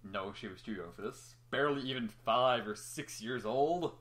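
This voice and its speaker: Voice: mid-range voice, normal speed, fairly bright tone. A young adult reading a story aloud in an amateur, casual way, stumbling at times, teasing and swearing between passages. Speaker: reader of a story. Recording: noticeable background noise.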